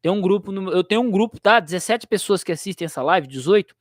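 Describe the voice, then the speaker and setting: A man's voice: sits high, animated, fast, dry recording, studio quality. A young Brazilian man who teaches theology, chatting casually on his livestream in a rambling, slangy way and laughing easily.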